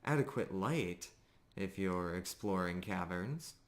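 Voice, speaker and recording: A man acts out a courteous village shopkeeper woman in a tabletop fantasy game. She is measured and obliging, with slow, unhurried speech in a low register. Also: lively intonation. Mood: helpful, obliging. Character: courteous woman shopkeeper selling potions and arrows.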